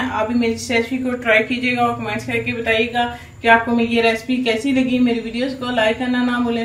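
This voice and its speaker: A woman host with a Pakistani Urdu accent talks through a home cooking recipe step by step, often filling her sentences with "jo hai woh". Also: on the high side. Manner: steady step-by-step instructions with filler "jo hai woh". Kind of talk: recipe tutorial voice-over. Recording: roomy, distant mic, kitchen noise.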